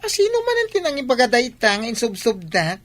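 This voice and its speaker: A woman's voice: a little high, wildly swooping pitch, a little fast, fairly bright tone. Plaintive gay village cousin acted by a woman. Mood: plaintive complaining. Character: put-upon gay male village cousin, plaintive and wistful. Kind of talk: village comedy radio drama acting.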